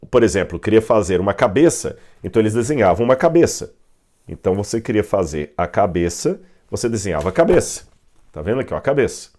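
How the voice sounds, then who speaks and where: A man with a Brazilian Portuguese accent gives a Bible history lesson in a lowish voice. He explains step by step, often pausing on fillers and correcting himself mid-phrase. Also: a little mellow. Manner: digressive, with fillers and self-corrections. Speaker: Bible teacher. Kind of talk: explaining at a whiteboard.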